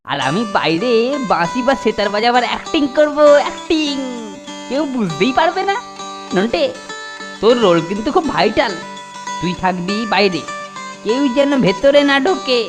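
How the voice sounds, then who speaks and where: A woman's voice: a little high, big pitch swings, normal speed. A woman doing a bossy schemer boy. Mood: scheming. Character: scheming teen boy Keltu, bossy senior. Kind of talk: Bengali cartoon dubbing. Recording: music under the dialogue.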